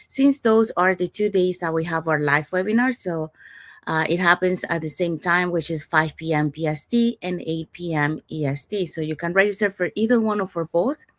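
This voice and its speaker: An upbeat woman host from Panama speaks in a fairly low voice, the sound dry with no echo. Her scripted webinar promo chat is promotional in tone and full of fillers.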